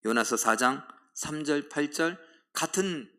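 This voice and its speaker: A man's voice: on the high side, lively intonation, unhurried, sharp tone. A middle-aged man preaching a sermon as pastor, dramatically acting out complaints and leading a congregation in reading scripture aloud.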